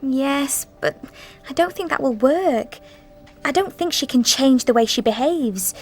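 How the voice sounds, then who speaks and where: A woman's voice: high voice, lively intonation, measured pace, soft background music. A woman performing a scripted office dialogue for an English course, talking in a fretful, complaining way. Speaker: dialogue actor in course audio. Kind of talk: scripted role-play dialogue.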